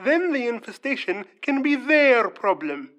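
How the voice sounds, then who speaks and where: A smug, amoral schemer played by an actor in an audio comedy. The voice drawls very slowly and pompously, with big theatrical swoops in pitch. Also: very animated, a bit bright. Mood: smug scheming. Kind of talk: audio fiction comedy acting.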